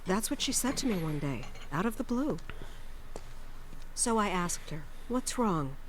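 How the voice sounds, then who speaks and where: A tender, wistful foster mother, narrates reflectively in a game cutscene. Her middle-aged voice sits at a medium pitch, with faint noise behind it. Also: big pitch swings, unhurried.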